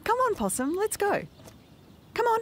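A woman's voice: extremely high pitch, big pitch swings, moderate pace, slight background noise. A middle-aged woman presenting a children's TV show in an encouraging, sing-song way.

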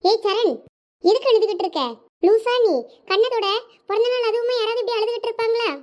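Woman doing a bossy village aunt, thoothukudi accent, high voice, teasing and scolding. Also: fairly even intonation, racing, a little mellow. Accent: Thoothukudi Tamil.

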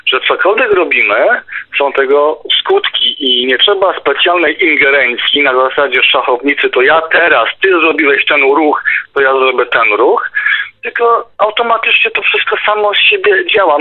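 A man's voice: fairly high pitch, sing-song, normal speed. A man in casual, opinionated discussion over a narrow phone line, insistently explaining with examples and stumbling over repeated words. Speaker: discussion participant on a radio show. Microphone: phone or internet call.

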